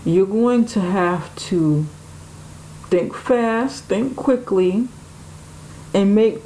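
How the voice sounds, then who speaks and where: A woman's voice: medium pitch, mellow, slight background noise, poor audio. A woman giving an intuitive tarot reading, musing aloud and speaking to spirit and the viewer. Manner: musing, talks to spirit and viewer, laughs often. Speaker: tarot reader.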